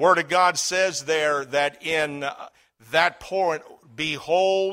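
A man's fairly high-pitched voice, bright and sharp in tone, with ordinary pitch variation. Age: 60s. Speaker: pastor. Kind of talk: sermon. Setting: church.

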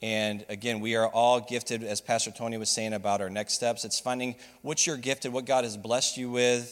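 In a very clean recording with a silent background, a man with a normal speaking voice and medium pitch talks at a moderate pace. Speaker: senior pastor. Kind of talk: church service introduction. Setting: church.

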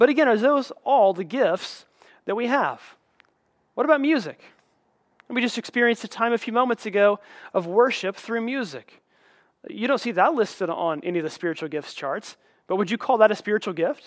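On a very clean recording with a silent background, a high-pitched man with an American accent talks at a fairly quick pace, with lively intonation and long, frequent pauses. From Oklahoma. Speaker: pastor. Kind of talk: sermon. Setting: recorded video service during stay-at-home order. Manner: casual, joking.

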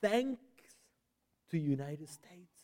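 A man speaks in a Spanish accent, the sound dry and close with no echo. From Costa Rica. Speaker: visiting missionary. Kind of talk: sermon. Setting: church.

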